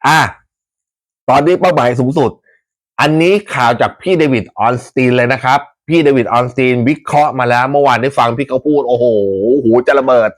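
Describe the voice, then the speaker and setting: Chatty, slangy Thai football fan host. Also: male voice, medium pitch. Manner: chatty, animated, rough slang, laughs often. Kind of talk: casual football talk to viewers.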